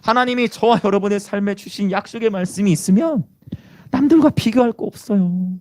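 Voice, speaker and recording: A man's voice: sits high, a little fast. A male pastor preaching a sermon in an emphatic, exhorting, conversational way.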